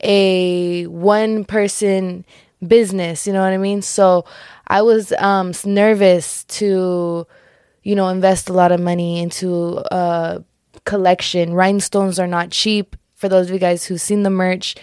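A young woman hosting her podcast in a casual, slangy chat, her voice raspy today. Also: lowish voice, level tone, unhurried, darkish tone, dry recording, studio quality. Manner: chatty, slangy, lots of fillers. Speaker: podcast host.

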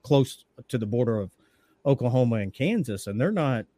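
A Southern podcast host in his forties from Tennessee leads a casual chat, laughing as he tells stories with animated energy. His voice sits at medium pitch, moves at a normal speed, and the recording has no echo.

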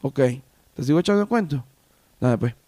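A man's voice: a little high, animated, a little fast. A man with a Venezuelan accent hosting a comic podcast, rambling crudely and bickering with his own alter egos. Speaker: podcast host. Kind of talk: comic monologue. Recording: loud music and canned applause behind.

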